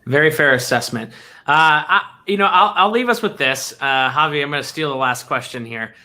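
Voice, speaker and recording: A man with a bright, crisp voice hosts a casual interview. He keeps things relaxed and loose, quick to joke and laugh with his guest. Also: fairly high pitch. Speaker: interview host.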